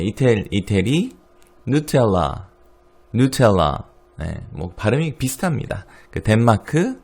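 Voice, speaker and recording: A man who speaks Korean natively, teaching English pronunciation of brand names, repeating each word slowly and then explaining it. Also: lowish voice. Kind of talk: lively pronunciation lesson.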